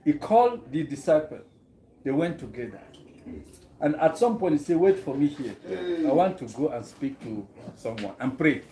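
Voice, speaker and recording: A man speaks to a gathering as a guest. He talks earnestly and leans on rhetorical questions. His voice is slightly high yet mellow, set in an echoing room. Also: big pitch swings, normal speed. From Cameroon. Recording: roomy echo.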